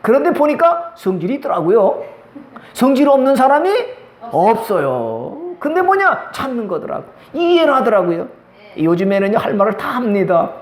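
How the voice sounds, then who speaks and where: A man's voice: very high-pitched, sing-song, normal speed. A middle-aged man preaching a Sunday sermon as pastor, asking the congregation questions and acting out quoted voices. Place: church sanctuary. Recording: echoey church hall.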